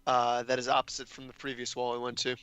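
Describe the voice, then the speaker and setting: A man plays in a tabletop game, his voice bright and clear at a middle pitch. He talks through the group's plans step by step in a practical way. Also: monotone, fast talker, highs cut off. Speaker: player. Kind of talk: casual tabletop play.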